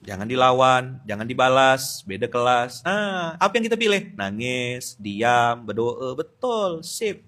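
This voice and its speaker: A man with a Pontianak Malay accent preaching a dawn sermon, teasing his listeners and swinging between loud outbursts and quiet asides. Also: medium pitch, big pitch swings, unhurried. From Indonesia. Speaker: Islamic preacher. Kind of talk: dawn study-circle sermon.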